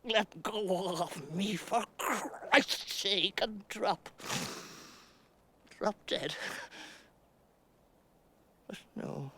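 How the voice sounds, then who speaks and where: A stoic middle-aged woman half-buried in the earth, talks on in a filmed absurdist stage play. She speaks very slowly and deliberately, and long pauses break up her monologue. Her voice sits at an ordinary middle pitch. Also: bright, forceful tone, husky, heavily acted. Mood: wistful musing. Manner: slow, deliberate, halting delivery with long pauses.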